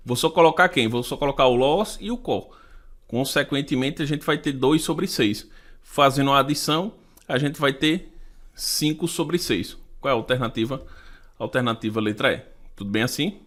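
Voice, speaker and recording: A man with a Brazilian Portuguese accent teaches a math class, solving exam questions one step at a time. His voice sits a little high, and he counts items out loud and puts rhetorical questions to his students as he goes.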